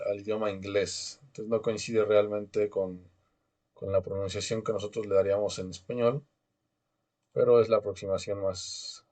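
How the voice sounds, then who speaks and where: A man's voice: fairly low pitch, a little mellow. A man teaching a beginner language class online over a video call, patiently drilling pronunciation and having students repeat after him.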